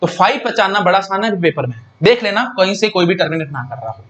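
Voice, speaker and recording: Guy teaching a class, fairly high voice, chatty, keeps asking if u got it. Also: animated, quick pace, fairly bright tone, muffled recording. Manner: chatty, repeats himself, keeps asking students if they follow. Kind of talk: casual classroom lecture.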